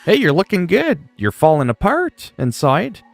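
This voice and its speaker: A man's voice: high-pitched, wildly swooping pitch, normal speed, creaky, no room sound, soft background music. A man in his forties chatting casually on a livestream, reading viewers' messages aloud and answering them in a rambling way. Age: 40s.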